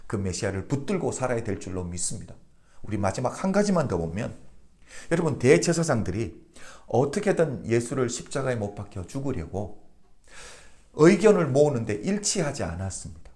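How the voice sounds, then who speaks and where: Korean pastor guy doing a daily devotional, pitch jumps all over, asks questions then answers them himself. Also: sing-song, moderate pace, a little mellow.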